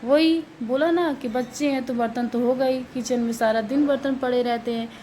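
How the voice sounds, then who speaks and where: A woman, her voice sitting a little high. She chats in a rambling way as she cooks and explains each step, recorded in a home kitchen with faint household noise behind her. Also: fairly even intonation, moderate pace, dark tone, poor audio. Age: 30s. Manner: chatty, rambling, explains steps while working. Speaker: vlogger. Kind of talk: casual home vlog while cooking.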